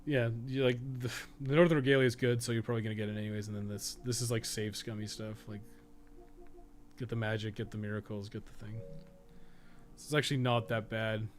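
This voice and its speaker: A man's voice: on the low side, level tone, a little fast. A man giving casual, rambling livestream game commentary, thinking aloud with some swearing and self-deprecation. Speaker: video game streamer and podcast co-host.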